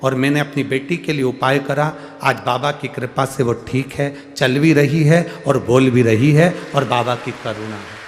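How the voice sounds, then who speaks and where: A man's voice: medium pitch, measured pace, few pauses, slight background noise. A man preaching as a Hindu scripture storyteller to a gathering, emphatic, repeating phrases and drawing out words. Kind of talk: devotional sermon to a gathering, reading out devotees' letters. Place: large public religious gathering. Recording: echoey large-venue PA with music.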